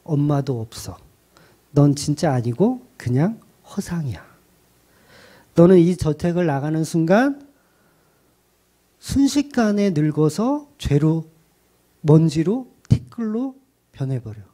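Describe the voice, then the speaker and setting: A man voicing a cold, angry father who scolds his son in slow, stern tones. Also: a little high, big pitch swings, dark tone, full character voice.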